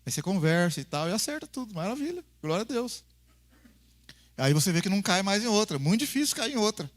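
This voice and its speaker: Here a Brazilian-accented pastor talks a little fast in a high, very animated voice. His sermon is folksy and conversational; he calls the congregation "brother" and acts out dialogues between family members.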